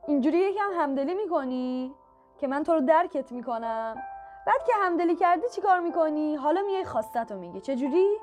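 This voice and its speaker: Female instructor, high register, patient step-by-step explainer, faint music bed. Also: expressive, darkish tone. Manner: patient, repeats each step with examples. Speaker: communication skills teacher. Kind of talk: instructional talk to camera.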